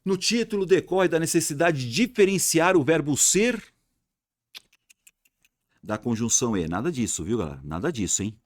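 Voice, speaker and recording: Man, Brazilian accent, grammar teacher, animated pitch, repeats words, slangy asides, dry close recording. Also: normal speed, pauses often, dry recording. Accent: Brazilian Portuguese. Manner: lively, colloquial, repeats words to drill them; talks to students directly, asks and answers own questions. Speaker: Portuguese teacher for exam prep. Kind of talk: online grammar lesson.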